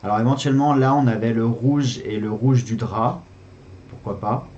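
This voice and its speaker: A man's voice: mid-range voice, moderate pace, a little mellow, highs cut off. A man hosting a gaming video, giving casual commentary on a board game as he plays, thinking aloud with hesitations and repeats.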